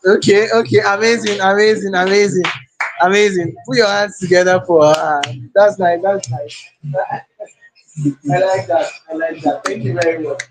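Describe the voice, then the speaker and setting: A man's voice: sits high, fairly even intonation, moderate pace. A man coaching a live public speaking workshop, repeating phrases and hyping up his audience. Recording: echoey room with faint music.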